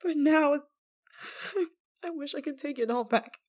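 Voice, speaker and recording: Woman acting fragile, halting, lovesick young woman. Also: high-pitched. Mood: grieving, guilty. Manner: halting, stammering, emotionally fragile. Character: desperate, guilt-ridden young woman, obsessive lover, tender and anxious. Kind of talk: intimate dramatic audio roleplay.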